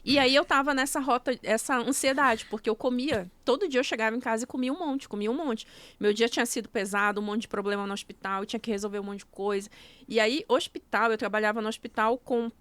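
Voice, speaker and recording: A woman's voice: fairly high pitch, fast, fairly bright tone, dry recording. Woman explaining step by step. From Brazil. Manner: explanatory, walks through steps one by one. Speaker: guest, nutrition coach. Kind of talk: casual podcast interview.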